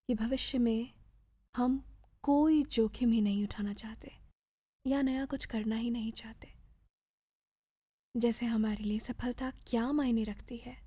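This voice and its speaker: A woman leads a guided meditation in a soft, breathy voice. She speaks slowly and gently, leaving pauses between measured instructions. Her voice sits a little high yet stays mellow, captured close and dry. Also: no room sound.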